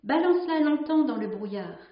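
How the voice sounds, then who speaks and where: An old, stern fisherman father speaks in solemn commands, as a woman reads his part. The voice sits somewhat high, with the room echoing. The recording is a bit dull. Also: expressive, normal speed. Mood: commanding. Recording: roomy, slightly dull recording.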